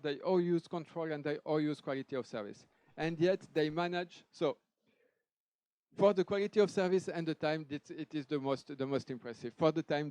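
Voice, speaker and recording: French man giving a lively tech talk. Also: medium pitch, clean tone, no echo. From France. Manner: lively, with restarts and asides. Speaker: conference speaker. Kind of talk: technical conference talk. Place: conference hall stage.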